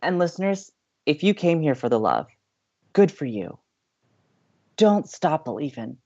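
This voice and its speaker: A man's voice: on the high side, sing-song, measured pace, a little mellow, highs cut off. A young man playing an upbeat, romantic-minded college radio co-host in an audio drama, earnest, playful and teasing. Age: young adult. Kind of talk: scripted audio drama banter.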